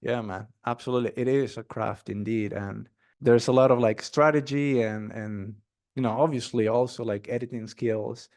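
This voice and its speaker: A mid-pitched man hosts a podcast interview with upbeat enthusiasm. He talks casually and fills his sentences with "like" and "you know". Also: fairly even intonation, moderate pace, darkish tone. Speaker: podcast host.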